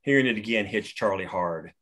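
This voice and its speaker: A man reading screenplay stage directions at a table read in a steady, matter-of-fact way. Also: fairly low pitch, brisk. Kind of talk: reading screenplay action lines.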